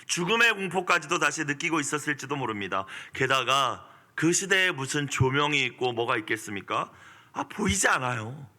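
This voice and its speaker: A male pastor giving an early-morning sermon, moving between soft, quiet asides and pleading, forceful outbursts. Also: fairly high pitch, expressive, normal speed.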